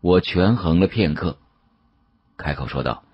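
A man's voice: sits low, animated, measured pace, husky, no room sound. A man narrating a story dramatically in the first person as an audiobook reader. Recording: dull, muffled dry studio sound.

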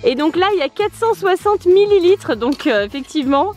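A woman's voice: very high-pitched, expressive, brisk, a little mellow. A mother hosting a family vlog outdoors by a garden pool, presenting water toys in a playful, teasing way and laughing often. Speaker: mother and channel host. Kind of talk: toy review vlog narration.

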